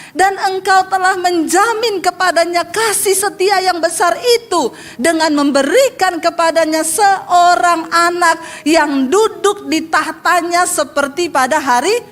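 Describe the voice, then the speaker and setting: A woman pastor preaching a sermon, blunt and scolding, mocking her listeners and breaking into sudden high outbursts. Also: fairly bright tone.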